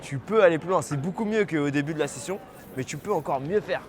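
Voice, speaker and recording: A young man coaching a student out on a city street, animated and encouraging as he explains what went right and wrong. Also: fairly high pitch, fast, a crowd in the background. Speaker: dating coach. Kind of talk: on-the-spot coaching feedback. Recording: outdoor street with traffic noise.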